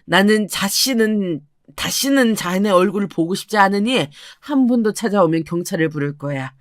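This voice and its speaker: A woman's voice: medium pitch, lively intonation, normal speed, no echo, clean studio sound, lightly acted. A woman voicing a stern, protective older father who gives commands. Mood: stern threatening.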